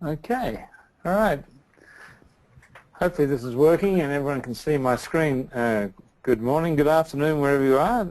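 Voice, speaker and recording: Lively intonation marks this man's moderately paced speech, which has long, frequent pauses. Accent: Australian. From Australia. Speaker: professor. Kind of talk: lecture. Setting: video call. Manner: halting.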